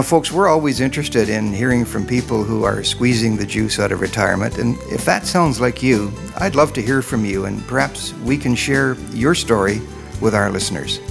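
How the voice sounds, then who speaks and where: Gravelly-voiced male podcast host. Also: fairly low pitch. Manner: encouraging, frequent affirmations. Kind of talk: interview hosting.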